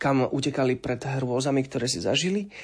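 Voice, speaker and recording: Over a quiet background, a man with a medium pitch sounds somewhat breathy and uses lively intonation. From eastern Slovakia. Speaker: pianist. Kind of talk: interview.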